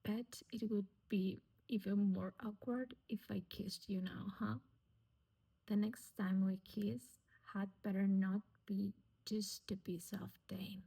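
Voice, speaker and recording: A woman's voice: little pitch movement, slow, vocal fry, mellow, slightly rough, exaggerated voice, rough recording. A woman whispering the lines of an intense young man who guards his lover, reading them from a novel. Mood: teasing. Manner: whispered, low and intimate.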